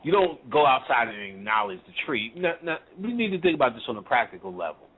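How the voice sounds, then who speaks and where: A man's voice: medium pitch, big pitch swings, quick pace, a little hiss or hum. Man, spiritual teacher, blunt and profane, street slang, phone-quality audio. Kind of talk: casual profane lecture.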